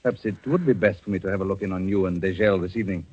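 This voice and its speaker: A man's voice: sits low, rapid-fire, a little mellow, breathy edge. A man playing a cold, scheming husband in a 1940s radio drama, giving clipped, menacing orders on a dull old broadcast recording. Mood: cold menace.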